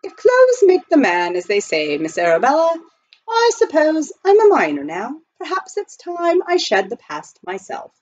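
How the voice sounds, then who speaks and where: A woman voicing a polite, earnest butler turned gold miner with a formal, halting delivery in a storybook reading. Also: sits high, wildly swooping pitch, darkish tone, lo-fi sound, voice pushed up. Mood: flustered, earnest.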